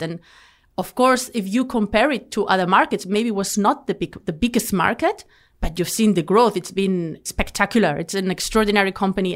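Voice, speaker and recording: A woman in her thirties from Spain with a Spanish accent, a company founder telling her story as a podcast guest, eager and full of restarts. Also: medium pitch. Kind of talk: podcast interview. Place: studio.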